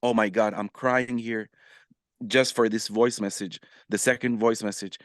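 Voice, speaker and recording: Smooth-voiced man. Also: lowish voice, unhurried, dry recording, clean studio sound. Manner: animated, many fillers and restarts, acts out quoted messages. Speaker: podcast guest, musician and influencer. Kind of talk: casual interview storytelling.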